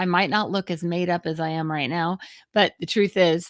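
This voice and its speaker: Speaking at a fairly quick pace, a woman has a fairly low pitch. The recording is very clean, with a silent background. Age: 60s. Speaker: real estate agent. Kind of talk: podcast interview. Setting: live video podcast. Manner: animated.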